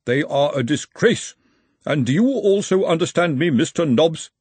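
Man acting a pompous, stern referee, animated delivery. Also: fairly high pitch, breathy edge, no room sound, voice pushed up. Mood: imperious. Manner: formal, measured, pompous. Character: stern, exasperated, pompous male referee of authority.

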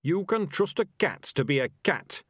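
A man voicing a gruff, pompous old male rat leader in a storybook, growling and grumbling sharply. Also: on the high side, sing-song, moderate pace, dry recording, clean studio sound, voice pushed up. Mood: sharp, imperious.

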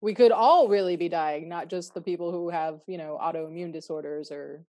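Woman in her 30s hosting a podcast, kinda low voice, chill and swears a lot. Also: moderate pace, mellow. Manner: casual, swears freely, chatty. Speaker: podcast host. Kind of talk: casual interview chat.

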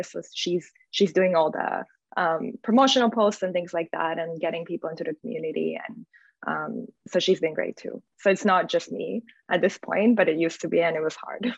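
Low, creaky-voiced woman in an echoey room. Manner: informal, rambling, frequent "like". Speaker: guest, community founder. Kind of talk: conversational interview answers. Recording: echoey room, slightly dull audio.

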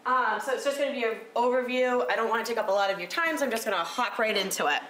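A woman in her thirties giving a casual talk as a recreational therapist, loud-voiced and chatty with lots of fillers. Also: fairly high pitch, fast, rough recording. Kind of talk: casual talk to a small audience. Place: room with a presentation screen.

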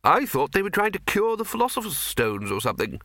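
A bellowing old wizard chief with a brusque, clipped way of talking, as a man puts him on. The voice sits high and carries a bright, hard edge. It sounds dry and close. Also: big pitch swings, brisk, no room sound, full character voice. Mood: blustering.

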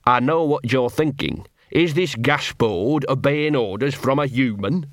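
A man's voice: medium pitch, unhurried, no room sound, studio quality, natural voice. A man voicing a scruffy, nervous talking male dog who rambles on in broken grammar. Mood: rambling, nervous. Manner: rambling, ungrammatical, wheedling.

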